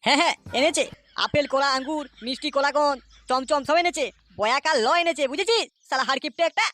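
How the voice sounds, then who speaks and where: A woman's voice: high voice, fast, a bit bright. A woman voicing a brash, quarrelsome young male auto-rickshaw driver in a cartoon who swears a lot. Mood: grumbling. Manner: cursing, quarrelsome. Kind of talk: cartoon voice acting.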